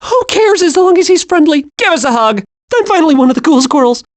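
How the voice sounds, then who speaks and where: A hyperactive cartoon squirrel with a very high voice that swoops up and down. He is childlike and gleeful, chattering with wide-eyed, naive excitement as a video game character. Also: fast talker. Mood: excited. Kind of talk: animated video game voice acting.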